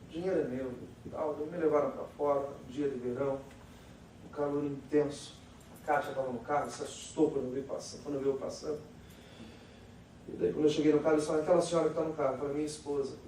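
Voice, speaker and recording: A Brazilian pastor preaching with a Brazilian Portuguese accent, his fairly high voice warm and mellow. He swings from loud declarations to a hushed storytelling tone. He is heard from far off in a very echoey church hall with faint background noise. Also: level tone, quick pace. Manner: preaching loudly, then drops to a quiet storytelling voice. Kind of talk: sermon.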